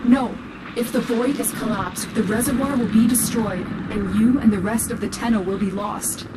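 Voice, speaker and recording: An actress playing an urgent, protective woman who guides and commands her warriors in a video game, measured and earnest. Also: heavy background noise, lightly acted. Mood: alarmed. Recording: loud game ambience and rumbling.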